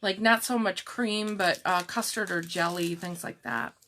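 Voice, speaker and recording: Slow, calm-voiced woman selling jewelry. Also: on the low side, a little hiss or hum. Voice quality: calm, soft-spoken. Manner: unhurried, chatty, answers viewer comments by name. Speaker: jewelry live seller. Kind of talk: slow live-stream product showcase chat.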